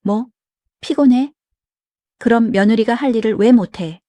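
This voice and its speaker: A woman's voice: on the high side, warm tone, no room sound, natural voice. A woman voicing a demanding, easily offended elderly father-in-law in a read-aloud story. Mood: irritated. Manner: complaining, quick to take offense.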